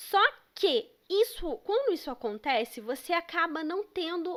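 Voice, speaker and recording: In a very clean recording with a silent background, a woman speaks at an extremely high pitch with a bright, sharp tone and very wide pitch swings. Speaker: writing coach youtuber. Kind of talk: casual tutorial vlog.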